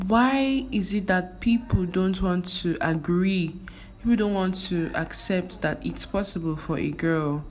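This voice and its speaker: A woman's voice: low voice, darkish tone. A young Nigerian woman with a Nigerian accent, whose first language is Igbo, chatting casually on her vlog with lots of fillers and restarts. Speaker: vlogger. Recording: faint background noise.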